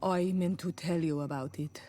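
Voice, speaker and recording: An actress playing a grave, careful tribal woman, a queen's daughter, in a video game, speaking solemnly and deliberately. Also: on the low side, steady tone, dark tone, natural voice. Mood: troubled. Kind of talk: video game cutscene acting. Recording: background music under the voice.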